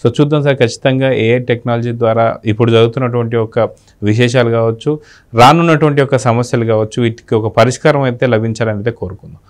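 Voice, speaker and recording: A man's voice: mid-range voice, steady tone, fast. A man hosting an interview, recapping points before each question. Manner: leading, recaps before asking. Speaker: interviewer, channel host.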